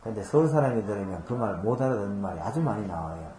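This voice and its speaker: A pastor with a lowish, expressive voice preaches a conversational Bible-teaching sermon at a quick pace, patiently explaining scripture through homely examples and rhetorical questions. The room is echoey, and crowd noise can be heard.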